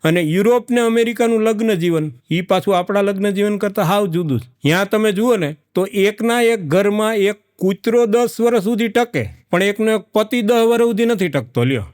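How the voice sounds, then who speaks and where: A man spins a folksy comic tale about village life. His voice sits high, and he repeats words for rhythm as he acts out each character. The recording is dry and close. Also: moderate pace, few pauses, darkish tone, no echo. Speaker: comedic storyteller. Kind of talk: folk joke storytelling to a live audience.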